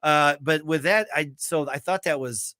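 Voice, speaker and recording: A man's voice: on the high side, bright, forceful tone, no room sound, studio quality. A man hosting a morning talk radio show, chatting casually with co-hosts and often restarting his sentences with fillers. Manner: halting, many restarts and fillers. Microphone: studio microphone.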